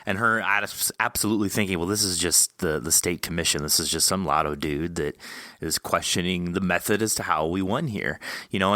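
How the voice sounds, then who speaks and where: A man with a fairly low, crisp and forward voice, recorded close and dry. He hosts in a conversational style, wandering through long, wordy questions as he works out his thoughts. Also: sharp tone, no echo. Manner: wordy, rambling, thinking aloud. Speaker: podcast host interviewing an author. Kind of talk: casual interview chat.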